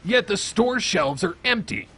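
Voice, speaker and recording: A man's voice: high voice, lively intonation, a little slow, pushed and bright, slightly rough, heavily acted. A man playing an exasperated, by-the-book grocery store manager in a comedy audio sketch. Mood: exasperated, insistent.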